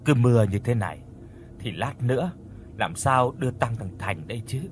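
A man's voice: medium pitch, expressive, normal speed, a little hiss or hum, lightly acted. A man voicing a weary, worried middle-aged mother who sighs and frets in a spoken ghost story. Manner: worried sighing.

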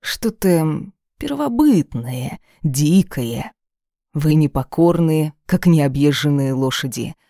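A reader voicing a domineering, cruel male caliph who speaks slowly and menacingly in an audiobook. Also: a little high, animated, gravelly, mellow, no echo, clean studio sound, heavily acted. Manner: menacing, slow and commanding. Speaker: desert ruler holding the heroine captive.

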